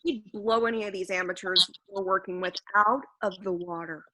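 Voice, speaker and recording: A woman's voice: mid-range voice, fairly even intonation, moderate pace, pushed and bright, no echo, low-quality recording. A woman playing a brash, dramatic actress out drinking with friends in a comedy sketch, blunt and given to exaggeration. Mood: brash, grumbling.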